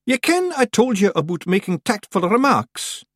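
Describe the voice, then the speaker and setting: A man's voice: high voice, big pitch swings, moderate pace, dry recording, studio quality, voice pushed up. A man voicing a boastful, rambling little fairy clansman with a Scottish accent in a storybook. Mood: scolding. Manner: blustering, rambling, emphatic. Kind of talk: acted storybook dialogue.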